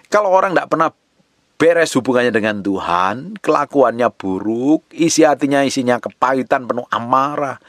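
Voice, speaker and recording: A male pastor preaching with force, his pitch leaping high whenever he piles up lists of cruel words. He speaks at a middle pitch. The sound is dry and close, with no room around it. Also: dry recording. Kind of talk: sermon.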